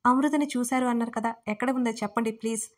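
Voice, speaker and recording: A woman's voice: fairly high pitch, fairly even intonation, fast talker, natural voice. A woman voicing a frightened, tearful young woman asking anxious questions in an audio story. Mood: firm.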